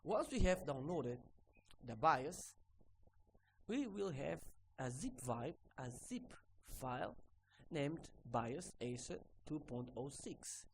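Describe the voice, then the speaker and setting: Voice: mid-range voice, lively intonation, slow, slight background noise. Instructor. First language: Portuguese. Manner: ends phrases with a questioning "okay?", repeats himself. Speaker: repair course instructor. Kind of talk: screen-recorded tutorial walkthrough.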